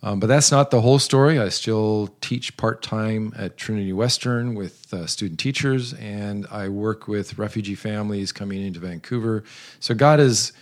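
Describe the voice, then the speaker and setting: Earnest older man, low voice. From South America. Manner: earnest, measured, with frequent um and restarts. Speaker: guest, retired missionary. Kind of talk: reflective interview answers.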